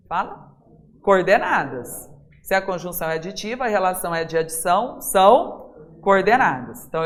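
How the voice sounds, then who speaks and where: A Brazilian woman teaching a grammar class for exam preparation, who asks the class questions, answers them herself and slows down to stress key terms. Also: on the low side. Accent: Brazilian Portuguese. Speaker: Portuguese teacher for exam prep. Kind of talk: recorded class lecture.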